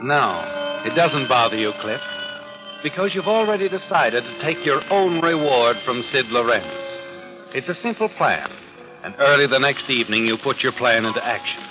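A man's voice: mid-range voice, lively intonation, moderate pace, close to an everyday voice. An American actor playing a sly, all-knowing narrator in a 1940s radio crime drama, needling his listener in a knowing, insinuating way. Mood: ominous, taunting. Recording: dull vintage 1940s radio broadcast, loud music. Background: dramatic music.

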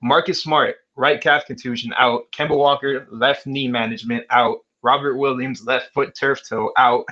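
An excitable man hosts a casual sports podcast at an ordinary, mid-range pitch. His slangy chatter comes through a muffled, lo-fi recording with little clarity at the top end. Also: normal speed, few pauses. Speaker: podcast host. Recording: dull lo-fi sound.

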